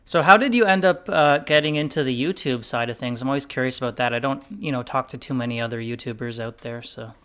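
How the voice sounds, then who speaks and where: A man's voice: mid-range voice, fast talker, few pauses, clean tone. Easygoing man chatting about investing. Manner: relaxed, rambling, lots of "like" and "you know". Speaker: investing YouTuber host. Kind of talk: casual podcast conversation.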